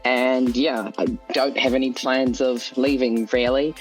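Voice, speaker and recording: Male guest from New Zealand, middle pitch, easygoing hesitant chat. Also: unhurried, soft background music, rough recording. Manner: relaxed, hesitant with fillers. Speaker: guest author. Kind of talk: casual interview chat.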